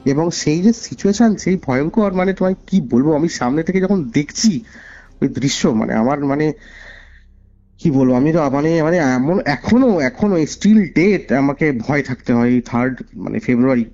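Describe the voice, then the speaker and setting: A man's voice: on the high side, lively intonation, moderate pace, dark tone. A man with a West Bengal Bengali accent telling a personal story conversationally as a caller, earnestly repeating phrases for emphasis. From West Bengal, India. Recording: dull lo-fi call recording over music. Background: music.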